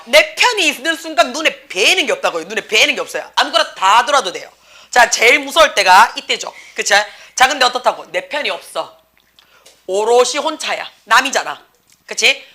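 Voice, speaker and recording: Woman, 40s, Gyeongsang Korean accent, English academy teacher; higher, bright and very animated delivery, chatty and teasing, keeps checking in with the class. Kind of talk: classroom lecture.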